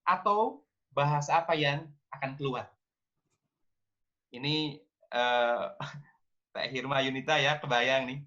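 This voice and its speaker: A man's voice: medium pitch, takes it slowly, pauses often, pushed and bright, dull audio. A man giving an online parenting talk, asking the audience questions and acting out how parents react. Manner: engaging, asks audience, acts out scolding parents. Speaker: parenting speaker.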